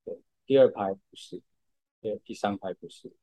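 A man's voice: lowish voice, moderate pace, mellow. Patient man explaining music. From Taiwan. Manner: explains patiently with many "对" fillers. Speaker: podcast co-host. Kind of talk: casual explanatory chat.

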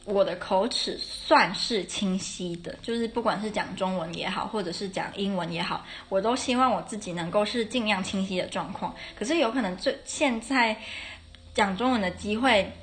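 A woman's voice: mid-range voice, moderate pace, a bit bright. A young adult woman, hosting a casual solo podcast in a chatty way, often correcting herself and laughing now and then. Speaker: podcast host. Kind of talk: casual solo podcast chat about her classes.

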